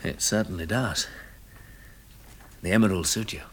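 An actor playing a wry, tender young man in a 1960s radio drama, teasing gently and expressively. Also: low-pitched, normal speed. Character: wry, tender, worldly man facing catastrophe.

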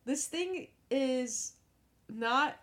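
A woman co-hosting a podcast in casual chat, excitable, repeating herself and breaking into laughter. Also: sits high, drawn-out words. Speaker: podcast co-host.

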